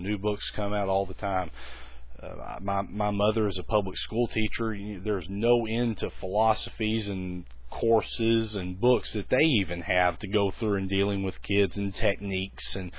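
Man with a low bass voice, husky, folksy teaching tone, dry tinny recording. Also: dry recording. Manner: folksy, conversational, many restarts. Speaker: children's ministry teacher.

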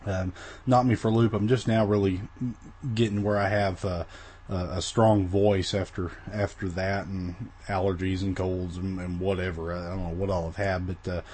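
A man's voice: low voice, little pitch movement, normal speed, darkish tone, slight background noise. A man teaching a recorded Bible lesson in a casual, rambling way, with many fillers and restarts, his voice weak after the flu.

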